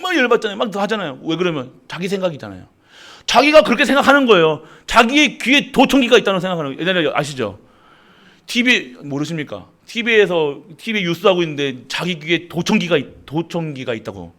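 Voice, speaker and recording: Pastor guy w preaching, voice jumps way up and down, pretty high. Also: fast. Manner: animated, swings between loud emphasis and low asides, asks the congregation questions. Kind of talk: sermon.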